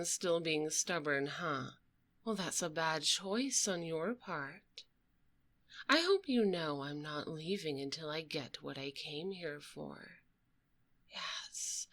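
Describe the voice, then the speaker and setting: Woman playing a slow-talking, menacing dragoness mob collector. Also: fairly low pitch, fairly bright tone. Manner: cool, taunting, condescending, drawn-out delivery. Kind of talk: ASMR roleplay, close and soft-spoken. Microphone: close binaural microphone.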